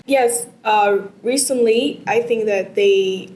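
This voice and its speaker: A woman's voice: on the high side, takes it slowly, darkish tone. A young Vietnamese woman, a non-native English speaker, answering exam questions hesitantly with many fillers and repeats. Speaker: test candidate. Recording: echoey room with faint noise.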